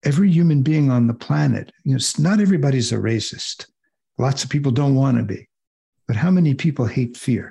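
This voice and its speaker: Somewhat breathy and dark, mellow in tone, a man's voice moves at a fairly quick pace. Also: medium pitch for a man, ordinary pitch variation. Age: 70s. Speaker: author and spiritual teacher. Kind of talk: interview conversation.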